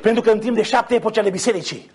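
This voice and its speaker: A man preaching a fiery sermon, calling out hallelujahs and swinging between loud cries and low murmurs.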